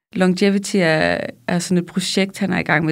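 A woman's fairly low, flat monotone at a fairly slow pace, with a quiet background. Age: 20s. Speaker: podcast host. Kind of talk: casual chat. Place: studio. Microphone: studio mic.

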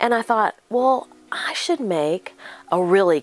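Over light background noise in a dry sound with no echo, a woman speaks at a fairly slow pace with very wide pitch swings. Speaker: quilting video host. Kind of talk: tutorial. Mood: cheerful, chatty. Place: home room. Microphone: lapel.

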